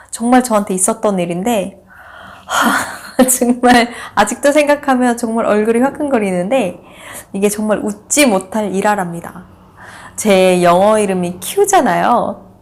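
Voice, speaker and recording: A young woman vlogger telling a personal story in a casual, animated way, laughing often and acting out what people said. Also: medium pitch.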